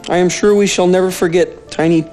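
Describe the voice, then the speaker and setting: A man voicing a gentle, tender puppet father speaking philosophically in a film. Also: high voice, steady tone, a little fast, faint music behind, lightly acted. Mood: tender, grieving.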